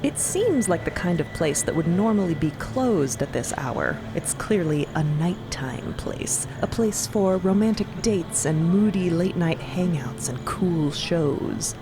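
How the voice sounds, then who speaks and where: A woman narrates a fantasy audio drama with lively, varied intonation. Her storytelling is expressive and descriptive, with music playing clearly behind her. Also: lowish voice, measured pace, few pauses.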